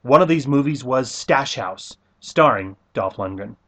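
A man's voice: mid-range voice, animated, a little slow, fairly bright tone. A man hosting a podcast, reading an upbeat scripted introduction. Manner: upbeat, enthusiastic. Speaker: podcast host.

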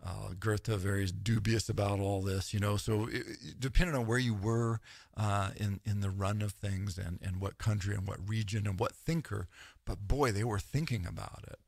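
A man talking through ideas in a rambling, animated lecture style, often tagging points with "right?" and asides. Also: fairly low pitch, moderate pace, gravelly, no echo, studio quality. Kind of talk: casual lecture-style talk.

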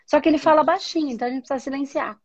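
Her voice sits high and a little mellow, and she talks rapid-fire over dull audio. A spiritual teacher, she reflects on spirituality by raising questions and answering them herself.

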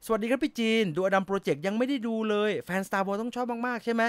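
A man's voice: sits high, steady tone, fast, clean tone, no room sound. A middle-aged man hosting a casual live chat, reading viewer comments and answering in chatty bursts, laughing easily.

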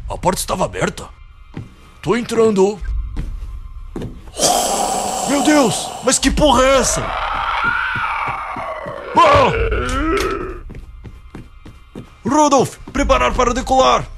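Man acting a high-pitched, grumpy old Santa Claus. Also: heavily acted. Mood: jolly, then panicked. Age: older. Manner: theatrical, blustering. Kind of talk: radio drama acting.

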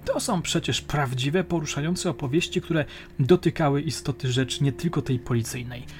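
A man's voice: on the high side, moderate pace, lightly acted. A man voicing a thoughtful, middle-aged male police chief who mutters his thoughts aloud in an audiobook. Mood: musing. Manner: musing, muttering.

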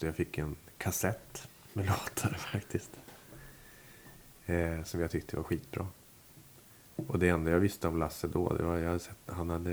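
In a laid-back interview, this male musician rambles along, often restarting and using many fillers. He speaks in a low register with a somewhat dark tone.

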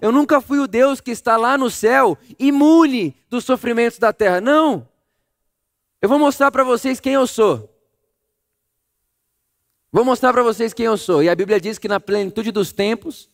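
A man preaching a sermon, telling the story vividly and swinging from loud emphasis to a hush. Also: very high-pitched, moderate pace, vocal fry, long pauses. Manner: animated storytelling, acting out voices, swings between loud and hushed.

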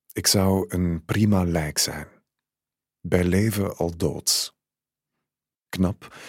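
A man calmly narrating a literary short story in the first person. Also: deep voice, husky, dry recording, studio quality.

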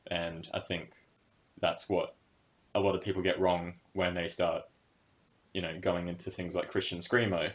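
A man's voice: sits low, flat delivery, moderate pace, long pauses. A young man co-hosting a casual podcast discussion, speaking thoughtfully and hesitantly with many fillers and restarts. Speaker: podcast co-host.

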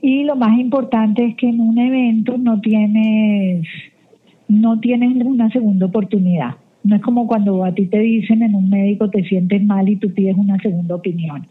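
A woman's voice: medium pitch, fairly even intonation, moderate pace. A woman from Colombia, guest on a show, giving firm advice over the phone. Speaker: guest, event organizer. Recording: tinny phone line.

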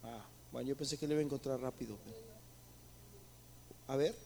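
A man's voice: mid-range voice, steady tone, a little fast, creaky, warm tone, slight background noise. A man preaching a sermon, rising to emphatic peaks and calling his listeners brothers. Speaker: pastor.

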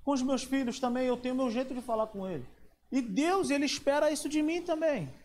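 High-voiced man preaching. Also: expressive, a little fast, darkish tone, slight background noise. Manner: conversational, asks the audience questions. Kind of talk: sermon.

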